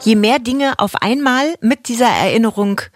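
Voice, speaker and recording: A woman hosting a radio talk show for kids, chatting in a lively, casual way and laughing easily. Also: a little high, normal speed, no echo, studio quality, faint music behind. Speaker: radio show host and band member.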